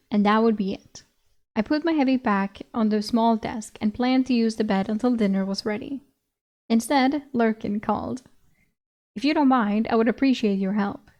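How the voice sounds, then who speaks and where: Woman, fairly high voice, giggly novel reader, chatty asides. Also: a little mellow. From Sweden. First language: Swedish. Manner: giggly, breaks off to laugh and comment. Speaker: streamer reading a novel aloud. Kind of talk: novel reading with chatty commentary.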